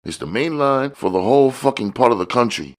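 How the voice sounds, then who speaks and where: A man voicing a fat, smooth-talking, cocky Mexican drug dealer in an audiobook, using slangy street talk with bits of Spanish. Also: mid-range voice, animated, fairly quick, pitched above the performer's own voice, lightly acted. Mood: cocky, schooling. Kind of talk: audiobook character dialogue.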